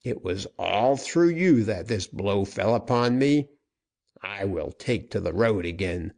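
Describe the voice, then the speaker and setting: A man's voice: on the low side, animated, a little slow, gravelly, a little mellow. A man voicing a fierce, vengeful male outlaw captain in a dime-novel reading, snarling and threatening.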